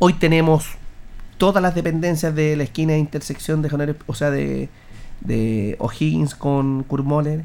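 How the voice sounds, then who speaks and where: Speaking at a moderate pace, a man with a fairly high pitch and a dark, mellow tone uses ordinary pitch variation. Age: 40s. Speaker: mayor. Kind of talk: radio interview.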